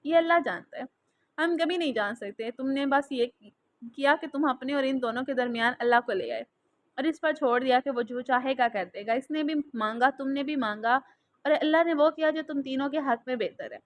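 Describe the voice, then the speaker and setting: Woman reading as a gentle old cleric. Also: high-pitched, moderate pace, natural voice. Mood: consoling. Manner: soothing, instructive. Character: gentle elderly male mosque cleric giving counsel.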